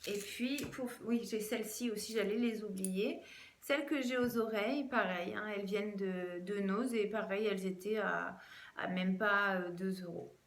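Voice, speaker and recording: A woman's voice: mid-range voice, normal speed, reverberant. A woman vlogger chatting casually through a jewelry haul, hesitant and full of fillers. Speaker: fashion vlogger.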